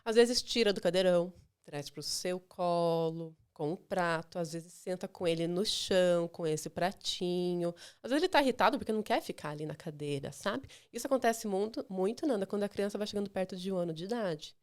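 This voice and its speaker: A woman's voice: fairly low pitch, brisk, clean tone. A woman with a Brazilian Portuguese accent, a child nutritionist guest, who explains patiently and reassuringly and often ends her points with "tá". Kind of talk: explanatory interview talk.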